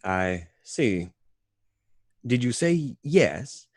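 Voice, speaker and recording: A reserved young lord in a radio drama. He speaks very slowly and tersely in a husky, suave voice. The sound is dry and close. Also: medium pitch, sing-song, no room sound, heavily acted. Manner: terse, deliberate. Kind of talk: radio play acting.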